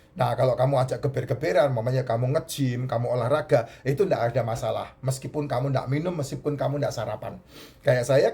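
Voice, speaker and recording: A man's voice: mid-range voice, warm tone, breathy edge. A middle-aged man with a stuffy, nasal voice, giving health advice in a casual talk, often repeating himself. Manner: chatty, repeats points, restarts words.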